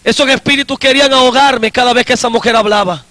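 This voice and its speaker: A man in his forties with a very high, bright voice preaches his personal testimony as an evangelist. He talks slowly and with emphasis, going back over his own phrases. The sound is dry and close. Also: fairly even intonation, no echo.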